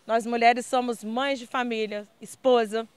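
A woman's voice: a little high, fairly even intonation, a little slow, clean tone, no echo. Earnest woman community leader. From Brazil. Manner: earnest, persuasive, with frequent fillers. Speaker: interviewee, community leader and council candidate. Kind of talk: street interview answers.

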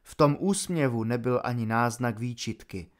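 A man reading an audiobook aloud in a measured, dramatic narrating style. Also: mid-range voice.

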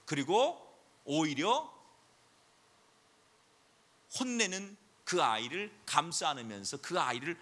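A male pastor preaches with animated storytelling. His voice is high and very bright, and it rises and falls widely. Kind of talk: sermon.

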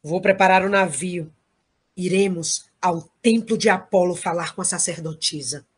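A woman's voice: on the low side, moderate pace, husky. A Brazilian woman playing an earnest male hero and father in an audio drama. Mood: resolute.

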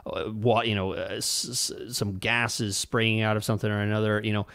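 A man's voice: lowish voice, flat delivery, normal speed, gravelly, a bit bright, no room sound. A man in his thirties co-hosting a podcast, explaining with examples in a conversational way. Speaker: podcast co-host. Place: home room, indoors. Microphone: podcast mic on boom arm, close.

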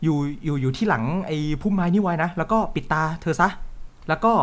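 A man reading the lines of a protective older sister in a game, giving hushed, urgent instructions. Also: fairly high pitch, animated, fast, lightly acted.

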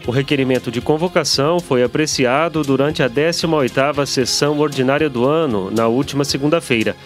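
A man co-presenting the news on a municipal radio station, reading in an even, formal way in a small studio. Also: medium pitch, a little fast, soft background music. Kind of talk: read news report. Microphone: studio microphone on arm.

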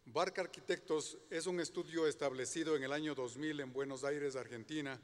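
A man's voice: a little high, steady tone, moderate pace. A man formally reading a prepared introduction of guest speakers on behalf of a university. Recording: long hall reverb.

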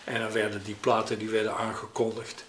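An elderly man, recalling memories in a hesitant, pausing, conversational way. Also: on the low side, completely flat delivery, a bit bright. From Netherlands. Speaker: interviewee recalling his childhood. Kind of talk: spoken reminiscence in an interview. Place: living room at home, indoors. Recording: roomy echo with faint noise.

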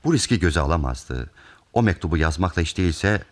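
A very deep-voiced male detective. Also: big pitch swings, a little fast. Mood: grave, reasoning. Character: calm, methodical male detective explaining a murder case. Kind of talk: radio theatre mystery acting.

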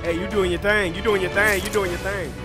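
A young man commentating his own gameplay, excitable and loud, cursing and repeating himself, his voice going hoarse. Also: sits high, fairly quick, music in the background. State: losing his voice. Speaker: gaming YouTuber.

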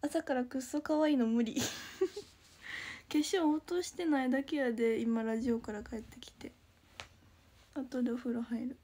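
A young woman, sleepless and training to be an idol, chats on a phone livestream at home, reading comments, thanking viewers in a chirpy voice and sometimes dropping to a whisper. Her voice is high yet dark in tone, steady, at normal speed with long pauses.

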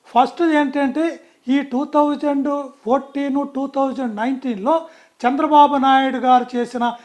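A man's voice: very high voice, fairly even intonation, unhurried, darkish tone. A man speaking as a guest in a political interview, talking emphatically and often restarting and correcting himself mid-sentence.

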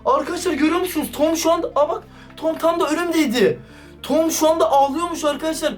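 Man, excitable vlog commentary, slangy, talks to viewers, set back from the mic, music underneath. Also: extremely high pitch, quick pace. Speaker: YouTuber reacting to a chat. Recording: distant mic with background music.

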